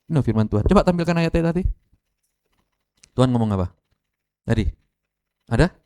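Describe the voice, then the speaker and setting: Middle-aged East Javanese male pastor, animated preaching, speaks to the pews. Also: medium pitch, a little fast, clean tone. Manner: animated, addresses congregation directly, mixes Javanese phrases. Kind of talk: lively sermon with acted quotes.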